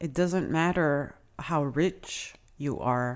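A woman's very deep, low voice in a Canadian accent, with ordinary pitch variation, in a very clean recording with a silent background. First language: Italian. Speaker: adult educator and lecturer. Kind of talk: interview. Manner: halting.

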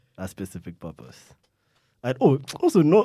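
On a very clean recording with a silent background, a man with a dark, mellow tone speaks at a fairly quick pace. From Uganda. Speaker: podcast host. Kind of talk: casual chat. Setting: studio.

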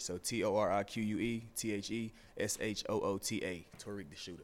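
This man has a normal speaking voice. His pitch is fairly low and his intonation fairly even. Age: 20s. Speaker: entrepreneur and fitness expert. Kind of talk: interview answers. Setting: live at theater.

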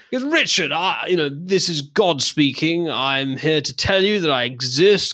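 In a booming, put-on character voice, a man speaks fairly slowly at a fairly high pitch. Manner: authoritative.

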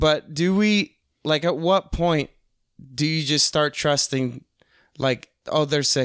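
A man with a fairly high pitch speaks in an ordinary speaking voice with ordinary pitch variation, the sound dry and close with no echo, in a very clean recording with a silent background. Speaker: podcast co-host. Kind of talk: casual banter. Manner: joking, chatty.

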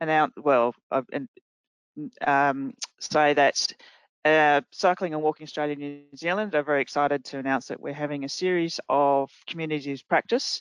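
A man speaks at a moderate pace in an ordinary speaking voice, fairly high in pitch. The sound is dry and close with no echo over a quiet background. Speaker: cycling organization executive officer. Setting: phone or video call.

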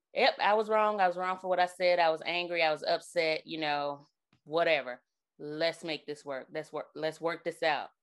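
An American-accented woman with fairly low pitch, an ordinary speaking voice and a moderate pace. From Birmingham, Alabama (US South). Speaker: marriage coach, former Marine. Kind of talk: interview conversation.

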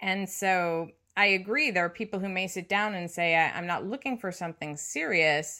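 The voice is a plain, everyday voice with ordinary pitch variation, delivered at a moderate pace. The recording is very clean, with a silent background. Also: woman, medium pitch for a woman. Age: 40s. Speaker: therapist and podcast co-host. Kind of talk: casual chat.

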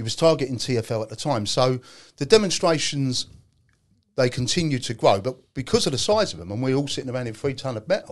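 Speech comes at a very fast pace with a London accent. The intonation is lively. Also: man, medium pitch for a man. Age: 50s. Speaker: taxi trade organization secretary. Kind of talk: casual chat.

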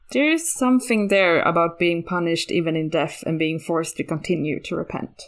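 A woman with a Swedish accent and fairly low pitch, speaking at a moderate pace on a very clean recording against a silent background. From northern Sweden. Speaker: podcaster and fan blogger. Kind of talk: podcast analysis discussion.

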